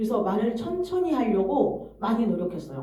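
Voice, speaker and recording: Fairly slow, fairly high-pitched female speech in a room with audible echo. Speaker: preacher (evangelist). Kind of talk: sermon. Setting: church.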